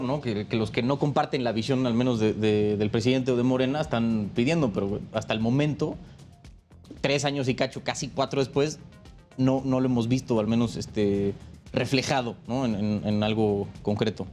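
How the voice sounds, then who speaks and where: A man's voice: mid-range voice, steady tone, a little fast, a little mellow. A man from Mexico hosts a political discussion panel. He moderates in a casual, slangy manner and keeps the talk moving. Faint music plays behind him. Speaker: panel show host.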